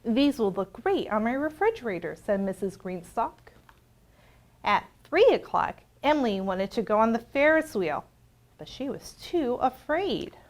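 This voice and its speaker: A woman librarian leading an interactive storytime for young children, expressive and asking simple questions. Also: on the high side, unhurried.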